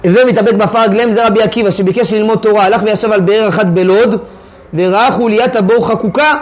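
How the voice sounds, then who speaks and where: A man's voice: high voice, steady tone, highs cut off. A man teaching a Torah text class, reading sources aloud and then explaining them in casual everyday speech. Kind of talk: text-study lesson to a class.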